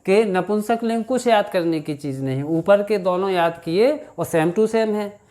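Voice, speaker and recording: A man teaching a grammar lesson, reciting word forms in a slow chant and talking to his students as children. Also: high voice, a little mellow. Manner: addresses students as children, frequent "thik".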